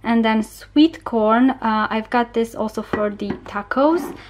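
A woman's voice: a little high, takes it slowly. A young woman talking casually and chattily in an informal vlog style, recorded on a handheld camera in a home kitchen. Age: young adult. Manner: chatty and informal, small laughs between remarks. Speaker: vlogger.

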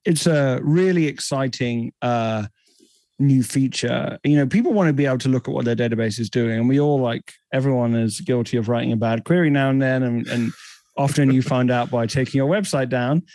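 A man's voice: mid-range voice, a little fast, a little mellow, no echo. A man in his thirties with a British accent, a guest explaining technology fluently in a podcast interview over a headset from a home office. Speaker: guest, tech company CEO.

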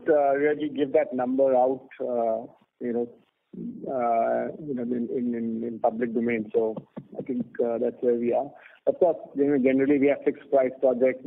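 A man answering analysts as a company executive on an earnings call, speaking off the cuff in a halting way with many "you know"s. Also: mid-range voice. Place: telephone conference call. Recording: tinny phone-line conference call.

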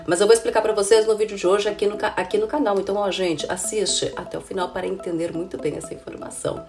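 A woman in her thirties with a hoarse, cold-roughened voice, talking casually to camera as a channel host and explaining things in a chatty way to her viewers. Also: mid-range voice, fairly even intonation, fast talker. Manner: chatty, addresses viewers as "gente", frequent "né?" and "viu?". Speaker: immigration consultant and channel host. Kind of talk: casual informative vlog to camera. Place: indoor room with window blinds. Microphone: camera at close range.

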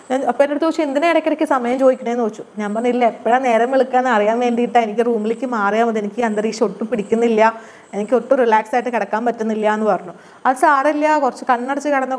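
A woman's voice: high voice, a little mellow. A young woman with a Malayali accent tells her own childbirth story in a casual, chatty way, acting out what the nurses and she herself said.

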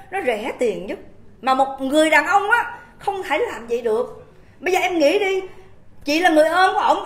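A woman with a Southern Vietnamese accent giving an impassioned livestream monologue, indignant and emphatic, firing rhetorical questions at her viewers. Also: high voice. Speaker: livestream host. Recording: roomy echoing room.

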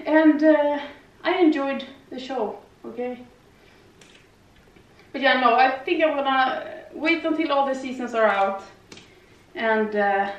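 Chatty young woman with a foreign accent. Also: fairly high pitch. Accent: non-native English, lives in Sweden. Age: young adult. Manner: rambling, chatty, lots of fillers and "okay?". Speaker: vlogger. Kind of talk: casual chat while doing yoga. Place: living room with slanted ceiling, indoors. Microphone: far camera. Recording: roomy, distant, dull camera audio.

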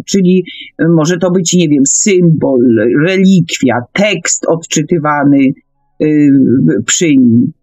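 Female radio discussion speaker, slow and halting conversational delivery, dry sound with faint music underneath. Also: fairly low pitch, a little mellow, dry recording. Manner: halting, searching for words, hesitant. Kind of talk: conversational discussion, explaining at length.

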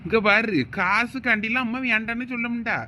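A man's voice: very high voice, fairly even intonation, fairly quick, sharp tone, a little hiss or hum, exaggerated voice. A man playing a patient village father in a comedy sketch, reasoning. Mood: coaxing. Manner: coaxing, reasoning.

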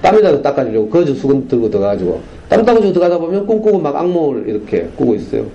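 경상도 억양의 중년 남성이 학교 강당에서 학부모들에게 청중에게 질문을 던지며 생생하게 이야기를 풀어내는 강연을 합니다. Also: male voice, fairly high pitch, racing, dull audio, a little hiss or hum. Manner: animated storytelling, rhetorical questions to the audience. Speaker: parenting lecturer. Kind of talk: lively lecture to parents. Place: school lecture hall.

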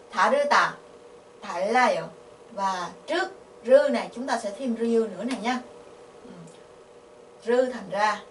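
A woman's voice: medium pitch, fairly bright tone. A woman with a Vietnamese accent teaching Korean grammar, patiently repeating syllables and asking her students questions. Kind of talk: explaining grammar. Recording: echoey, from a distance, faint noise.

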